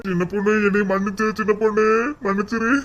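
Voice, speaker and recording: A man's voice: high voice, flat delivery, fast talker, dull audio, a little hiss or hum, close to an everyday voice. A man voicing a poor young cartoon husband who blames himself and laments through tears. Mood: weeping. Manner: sobbing, pleading lament. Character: poor young husband, tearful and self-blaming.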